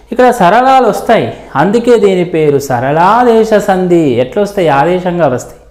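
A man's voice: a little high, darkish tone, reverberant. A male teacher explaining grammar in a lesson, repeating terms and examples and answering his own questions. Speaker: Telugu teacher.

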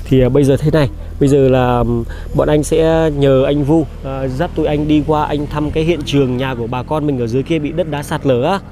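A man's voice: on the high side, fairly even intonation, brisk, hardly any pauses, dark tone. A young man vlogging on a village visit, chatty and caring, talking straight to his viewers. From Vietnam. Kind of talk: casual vlog chat.

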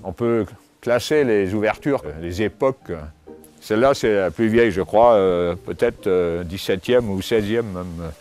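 An older man giving a casual tour of his cave home, talking with many pauses and fillers, recorded on a camera mic as he moves around. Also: fairly low pitch, darkish tone, soft background music. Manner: hesitant, many fillers and restarts. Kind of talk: casual spoken house tour. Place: inside stone cave rooms and outdoors by cliffs.

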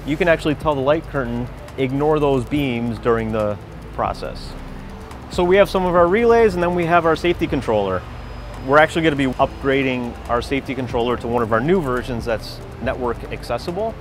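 A man talks through safety equipment on a big factory floor, energetic and eager. A lapel mic picks him up cleanly, with music playing underneath. His pitch sits in an ordinary middle range. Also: fairly quick. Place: large factory floor indoors. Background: background music.

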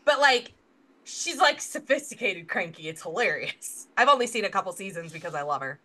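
Woman, podcast co-host, casual chat, enthusiastic, bright tone. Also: mid-range voice, expressive, a little fast. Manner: chatty, trails off and restarts, enthusiastic about the films.

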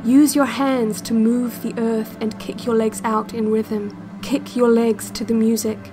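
Calm controlling tape guide lady played by an actress, hypnotic n measured, kinda high voice, music under it. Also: lightly acted. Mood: hypnotic, instructive. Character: calm, controlling woman narrating an institute's relaxation cassette. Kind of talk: scripted guided-meditation narration, audio drama.

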